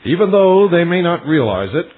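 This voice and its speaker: A male radio host delivering a solemn, deliberate monologue, speaking straight to his listeners as ladies and gentlemen. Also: high-pitched, very animated. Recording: tinny shortwave radio broadcast.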